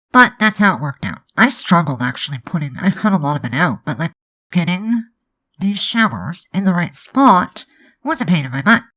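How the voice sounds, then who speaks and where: A woman's voice: low-pitched, fairly bright tone, low-quality recording. A young woman with a nasal, stuffed-up voice from allergies, chatting loosely with lots of fillers over a game building video. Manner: rambling, chatty, many fillers. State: congested from allergies. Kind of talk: casual speed build voice-over.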